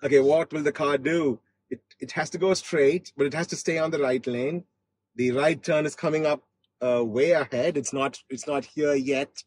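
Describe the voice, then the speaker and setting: A man from Australia giving casual, excited commentary as host of a test-drive vlog inside a car, often repeating his phrases. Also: fairly high pitch, moderate pace, husky, no echo. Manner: enthusiastic, repeats phrases, hesitant with frequent repetition.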